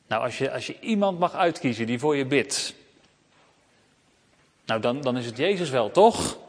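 A man preaching a sermon as pastor, speaking in a lively way and turning directly to the children. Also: mid-range voice, moderate pace, long reverb tail.

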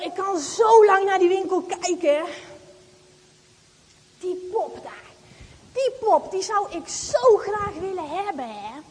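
A woman playing a high-voiced wistful little girl. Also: heavily acted. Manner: childlike, chatty, talks straight to the audience. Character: little schoolgirl, wistful, tempted to take a doll. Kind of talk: stage monologue. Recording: echoey hall, faint background noise.

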